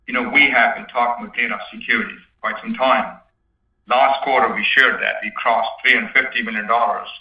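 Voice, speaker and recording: Male company executive, mid-pitched, spontaneous point-by-point earnings-call answers, sounds off-mic in a roomy space. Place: conference call. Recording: roomy, distant, dull conference-call audio.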